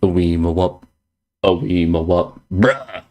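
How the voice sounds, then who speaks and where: Casually reading viewer messages, a chess streamer teases his chat and keeps repeating slang catchphrases. He speaks slowly in a low-pitched voice, with background noise present.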